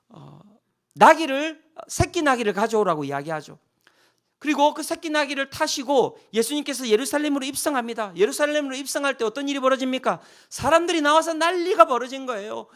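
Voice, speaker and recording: A man preaching a revival sermon as pastor, swinging between loud cries and hushed near-whispers and putting rhetorical questions to the congregation. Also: very high voice, lively intonation, brisk.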